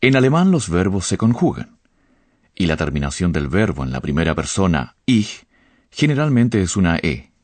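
A man's voice: low-pitched, big pitch swings, normal speed, darkish tone, dry recording. A man, a professor explaining grammar in a patient, teacherly way. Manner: didactic, patient. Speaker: language professor.

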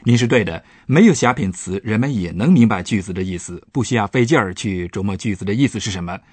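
A man's voice: lowish voice, expressive, fast talker, darkish tone, breathy edge, dry recording. A man, a professor, patiently explaining German grammar points on a radio language lesson. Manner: patient, explanatory, stresses example words.

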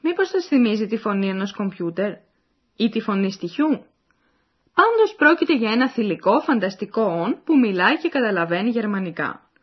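A woman's voice: medium pitch, big pitch swings. Woman narrating a language lesson. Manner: clear, explaining, addresses listeners. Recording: dull lo-fi recording.

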